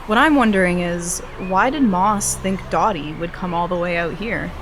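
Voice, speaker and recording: A woman's voice: lowish voice, moderate pace, a bit bright, a little hiss or hum, close to an everyday voice. An actress playing a dry, skeptical woman investigator in a naturalistic audio drama, speaking in a wry, clipped way. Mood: wry, intent.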